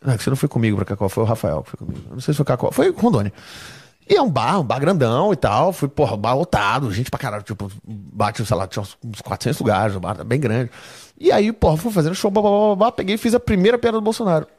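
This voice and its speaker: A man's voice: medium pitch, fast, husky. A young man, a comedian guest on a podcast, telling anecdotes casually with lots of swearing. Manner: animated anecdotes, heavy swearing.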